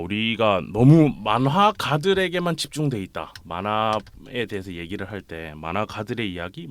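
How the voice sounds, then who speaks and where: A man hosting a casual interview podcast, playful and quick to laugh, his voice a little off from a cold. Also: on the low side, fairly bright tone. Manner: playful, laughs often, teasing. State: has a cold, voice slightly off. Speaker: podcast host.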